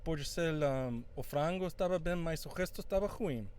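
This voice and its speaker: A man's voice: fairly high pitch, darkish tone, clean tone. Man teaching in Portuguese. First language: English. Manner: switches between English and Portuguese, halting with fillers. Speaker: English teacher. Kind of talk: bilingual English lesson.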